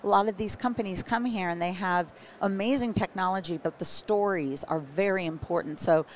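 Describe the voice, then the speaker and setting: A woman with a fairly low voice, worn scratchy from days of emceeing. She talks freely as an interview guest and rambles with many ums and restarts. A faint hum of a trade show hangs behind her. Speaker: summit producer and emcee, guest. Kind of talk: casual interview chat.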